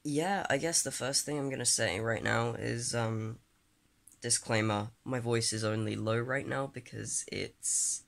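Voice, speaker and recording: This casual vlog comes from a trans man in his late teens who has just woken up and sounds groggy. His medium-pitched, slightly bright voice is a little slow and has vocal fry, and he rambles openly, often restarting and using fillers. He records on a phone at arm's length, first in a small bedroom, then at a desk in a bedroom.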